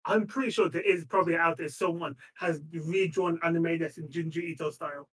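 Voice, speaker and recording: A man's voice: fairly high pitch, steady tone, fairly quick. A man in his twenties in a casual chat with friends, who laughs often and jumps in with his own points. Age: 20s.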